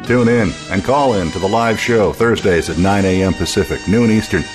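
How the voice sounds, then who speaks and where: A man's voice: on the low side, moderate pace. Male radio promo announcer over music.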